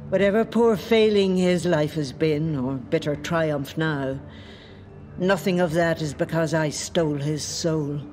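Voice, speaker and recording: An actress playing an ancient, feared lake spirit in a lyrical, deliberate audio drama monologue. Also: female voice, deep voice, darkish tone, slight background noise. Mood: solemn, proud. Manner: slow, deliberate, lyrical storytelling. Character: ancient female lake spirit, feared, haunting, proudly otherworldly.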